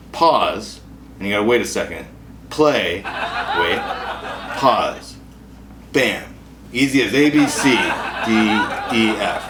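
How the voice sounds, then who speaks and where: A man's voice: mid-range voice, a bit bright. Man, American accent, casual comedy host, sarcastic, self-deprecating, echoey noisy recording. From Wisconsin, United States. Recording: echoey room with clear background noise.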